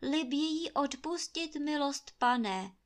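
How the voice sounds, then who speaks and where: A woman's voice: sits high, expressive, voice pushed up. A woman voicing a humble gamekeeper, speaking meekly and apologetically to his master. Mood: apologetic. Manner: meek and apologetic. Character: humble old male gamekeeper, apologetic servant.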